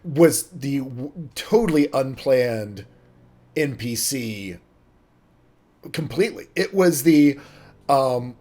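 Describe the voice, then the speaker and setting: A man's voice: mid-range voice, animated, slow pace, pauses often, darkish tone. A man who runs a tabletop game, talking casually with his players and rambling through plenty of fillers and self-deprecating asides. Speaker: game master. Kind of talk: casual cast chat about a tabletop game.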